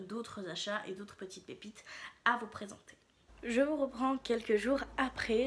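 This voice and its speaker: With slight background noise behind her, a woman with a voice on the high side rambles casually to her viewers during a shopping haul vlog. She's chatty, hesitating often and using plenty of fillers.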